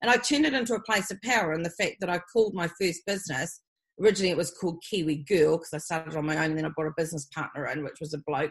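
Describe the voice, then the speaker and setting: With a New Zealand accent, the voice is somewhat breathy and races along at a very fast pace. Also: woman. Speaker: business consultant. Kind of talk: podcast interview. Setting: video call. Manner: energetic; outspoken.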